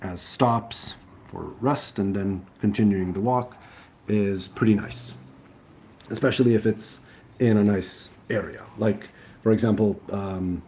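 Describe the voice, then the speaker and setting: Slow, mellow man chatting live. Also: on the low side, husky. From Serbia. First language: Serbian. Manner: hesitant, many ums and restarts. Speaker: livestream host. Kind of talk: casual live chat reading comments.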